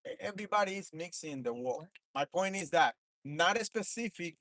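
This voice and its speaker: Cuban-born man, calm and probing. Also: high voice, normal speed. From Cuba. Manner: probing, placating. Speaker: passerby questioner.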